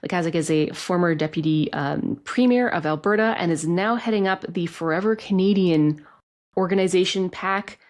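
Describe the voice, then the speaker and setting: Woman host asking questions, chatty and relaxed, trips over words a bit. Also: fairly low pitch, normal speed. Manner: casual, conversational questioning with restarts. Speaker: podcast host. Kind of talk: interview conversation.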